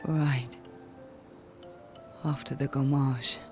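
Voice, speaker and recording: An actress playing a gentle, wistful young woman who speaks softly and slowly in a game cutscene. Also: very deep voice, fairly even intonation, over music, heavily acted. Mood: quiet. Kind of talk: video game cutscene acting. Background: orchestral game score.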